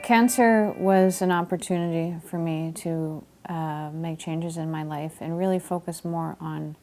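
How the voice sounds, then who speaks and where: Slow, low-voiced woman in her forties. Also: darkish tone. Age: 40s. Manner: thoughtful, deliberate. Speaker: interviewee. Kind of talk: personal testimony.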